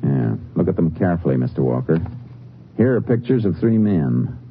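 An actor playing a terse, methodical Texas Ranger and narrator in a 1950s radio western, with clipped, businesslike delivery. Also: male voice, sits low, sing-song, normal speed, a little hiss or hum. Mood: stern, probing. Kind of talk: 1950s radio western crime drama acting. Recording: dull vintage radio recording.

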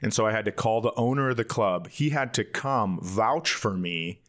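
A man's voice: fairly low pitch, moderate pace, fairly bright tone. A middle-aged man, a comedian and podcast co-host, telling casual comic stories in a candid, self-deprecating way.

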